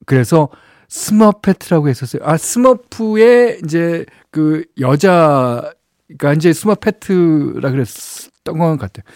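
Reading listener messages on his radio show, a middle-aged man talks slowly and expressively in a slightly high, slightly mellow voice. He's chatty, laughs softly often, and leans on many fillers. The studio-mic recording is dry, without echo.

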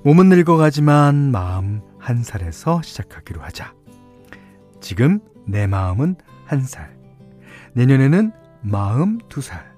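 Relaxed male radio DJ. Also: medium pitch, measured pace. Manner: relaxed, chuckling, many fillers. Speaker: radio DJ host. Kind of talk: reading listener stories and chatting. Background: soft guitar music.

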